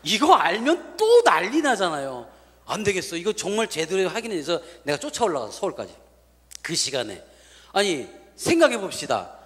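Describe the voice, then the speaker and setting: A male pastor tells a story from the pulpit, bringing it to life by acting out each person's lines. His voice sits high and swings widely in pitch. Long reverb from the church rings around him. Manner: animated, acts out dialogue in different voices. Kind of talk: storytelling sermon.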